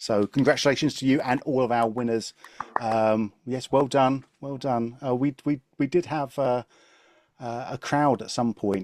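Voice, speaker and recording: Recorded with a dry, close sound and no echo, a man with an English accent speaks at a moderate pace. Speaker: livestream host. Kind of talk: live stream chat. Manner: animated; halting.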